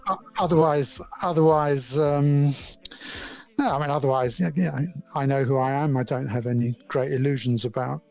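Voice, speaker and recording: An older man, a music industry lawyer, talking in a modest, measured way with many fillers as a podcast guest. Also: medium pitch, fairly even intonation, gravelly, darkish tone, low-quality recording. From born in Scotland, grew up in London. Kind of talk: casual interview chat.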